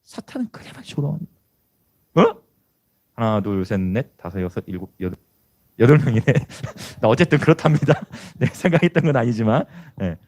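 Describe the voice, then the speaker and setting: Animated, exhorting male pastor. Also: mid-range voice, a little fast. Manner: emphatic, exhorting, conversational. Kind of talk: sermon.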